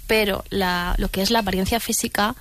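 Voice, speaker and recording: A woman author answering interview questions in a deliberate, explanatory way, with drawn-out fillers. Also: mid-range voice, steady tone, a bit bright, slight background noise. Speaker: author and guest.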